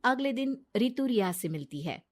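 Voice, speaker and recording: A woman narrating a cartoon story in a plain, steady storytelling manner. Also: fairly high pitch, normal speed.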